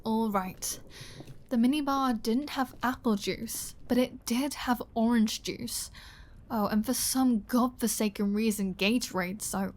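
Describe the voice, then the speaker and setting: Woman playing a slow-talking, flirty vampire woman. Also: a little high, darkish tone, natural voice. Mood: wry, caring. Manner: slow, teasing, sardonic, intimate, often dropping to a whisper. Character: flirty, teasing female vampire, playful predator with a caring streak. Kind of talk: ASMR roleplay audio drama.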